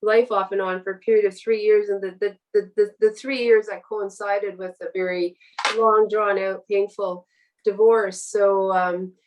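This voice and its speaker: A woman's voice: medium pitch, flat delivery, normal speed, recorded from a distance, poor audio. A woman guest author speaking on a literary podcast. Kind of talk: literary reading and podcast conversation.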